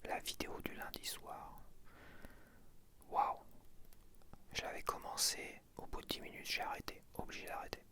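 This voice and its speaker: A man whispering softly into a close mic for ASMR, murmuring sticker numbers and rambling along. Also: moderate pace, pauses often. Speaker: ASMR creator.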